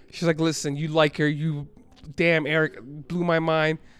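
Here a man speaks with a dry, close sound and no echo. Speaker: podcast host. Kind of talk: casual chat. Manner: fast talker.

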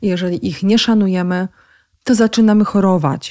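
The voice has a dark, mellow tone, ordinary pitch variation and a moderate pace, captured dry and close with no echo on a very clean recording with a silent background. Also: woman. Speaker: psychologist and podcast host. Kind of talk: solo educational talk.

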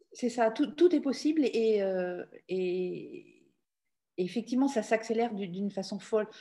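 The voice is somewhat breathy, with a dark, mellow tone and lively intonation. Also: woman, fairly high pitch for a woman. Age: 50s. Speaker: intuitive card reader and wellness practitioner. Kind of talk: casual interview chat.

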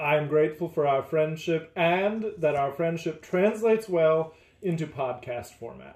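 A normal speaking voice, ordinary in its pitch variation, at a moderate speed. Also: man, fairly high pitch for a man. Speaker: podcast co-host. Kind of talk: casual conversational podcast chat.

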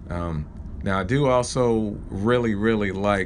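An American accent marks this man's speech, which has ordinary pitch variation and audible room echo. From Oklahoma. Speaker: podcaster. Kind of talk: casual solo monologue. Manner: casual, filler-heavy.

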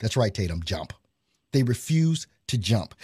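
With a dark, mellow tone, a man speaks at medium pitch and a moderate pace, somewhat breathy. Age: 40s. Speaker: voiceover artist and podcast host. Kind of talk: live call-in show.

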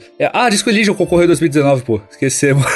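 At a fairly quick pace, a man speaks with lively intonation in a Brazilian accent. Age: 20s. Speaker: podcast host. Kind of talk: casual chat.

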